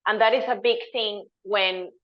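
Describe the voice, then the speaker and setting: A woman's voice: medium pitch, steady tone, moderate pace, highs cut off. A woman in her thirties from Venezuela, answering as a dietitian guest in an interview. She explains things earnestly and sometimes searches for the right words.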